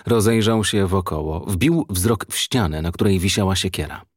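Husky male audiobook narrator. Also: deep voice, normal speed, no echo, studio quality. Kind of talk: audiobook reading of a crime novel.

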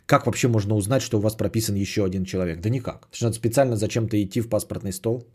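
Man, podcast host, husky, dark relaxed tone, casual rambling chat, sardonic, repetitive, sweary. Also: on the low side, racing. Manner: sardonic, swearing, repeats phrases. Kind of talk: casual rambling chat, answering audience messages.

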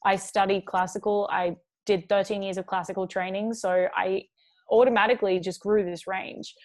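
A woman's voice: mid-range voice, level tone, moderate pace, darkish tone. A young adult woman, a singer, chatting casually in an interview, full of fillers and quoting herself.

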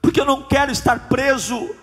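A man's voice: very high-pitched, steady tone, fairly quick, faint music behind. A preacher acting out an ashamed biblical man who cries out and pleads with his father. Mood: pleading. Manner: pleading, shouted confession.

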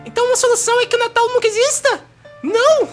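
A woman's voice: extremely high pitch, fast, faint music behind. A woman playing an earnest, tender young boy in a melodramatic comedic radio drama, with pleading, formal speech. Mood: distraught, tearful. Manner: melodramatic, formal old-fashioned wording.

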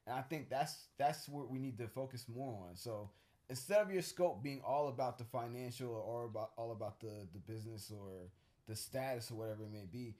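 A man's voice: medium pitch, brisk, a little mellow. A man co-hosting a casual podcast chat, talking in a rambling, thoughtful way with many fillers and restarts. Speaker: co-host.

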